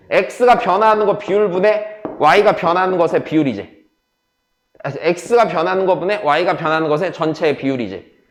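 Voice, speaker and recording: A man with a high voice teaches a math class in a classroom lecture, with a roomy sound. He switches between casual and polite speech and often checks whether students are following.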